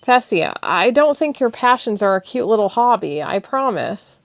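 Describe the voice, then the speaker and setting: Woman reading as a soft-spoken, guarded young man. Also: fairly high pitch, sing-song, moderate pace, no echo, pitched above the performer's own voice. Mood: reassuring. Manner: soft, cautious, hushed. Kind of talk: audiobook character voice.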